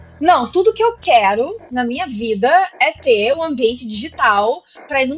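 A woman speaks at a moderate pace in a high voice with lively intonation, over noticeable background noise. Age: 30s. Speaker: gaming industry guest. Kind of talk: casual chat.

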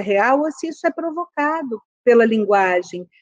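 Here is a woman with a plain, everyday voice. The sound is dry and close, with no echo. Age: 50s. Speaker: judge and writer. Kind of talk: interview.

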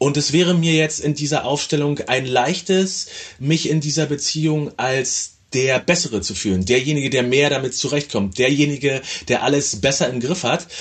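At a moderate pace, a man speaks in a fairly high, somewhat breathy voice with ordinary pitch variation. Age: 40s. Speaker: author and journalist. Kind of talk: interview conversation.

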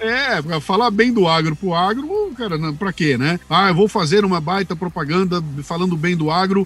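At a moderate pace and with hardly any pauses, a man speaks in a high pitch with lively intonation over noticeable background noise. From Bauru, São Paulo interior, Brazil. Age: 60s. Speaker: podcaster and public speaker. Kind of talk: casual interview chat.

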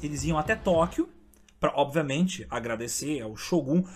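Someone with a Brazilian accent speaks at a moderate pace. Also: man. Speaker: podcast host. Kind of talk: casual chat, history storytelling. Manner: humorous, animated.

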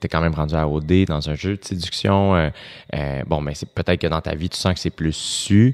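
This very clean recording, with a silent background and a dry, close sound with no echo, has a man talking at a moderate pace with ordinary pitch variation. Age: 30s. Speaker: podcast host. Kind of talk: casual interview.

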